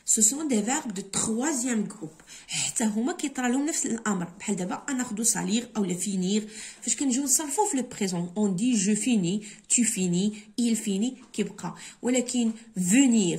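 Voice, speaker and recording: A woman's voice: fairly high pitch, mellow. Moroccan woman teaching French grammar. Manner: switches between slow dictation-like French and quick Darija explanations. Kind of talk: exam review lesson.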